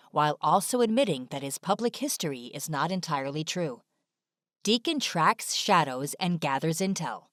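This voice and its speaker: A woman's voice: low voice, no echo, clean studio sound. A woman reading scripted narration as the presenter of an informational video. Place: dry studio voice-over.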